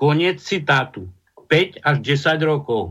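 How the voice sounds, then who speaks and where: A man with a fairly high pitch speaks at a fairly slow pace in a normal speaking voice. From central Slovakia. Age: 60s. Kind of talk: live radio talk show discussion.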